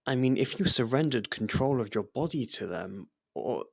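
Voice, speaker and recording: A performer voicing a devoted, worried royal servant who speaks formally and haltingly in an ASMR fantasy roleplay. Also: medium pitch, animated, creaky, no room sound, studio quality. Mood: worried, earnest. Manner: earnest, formal, deferential, halting. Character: devoted royal servant, worried, gently scolding close friend.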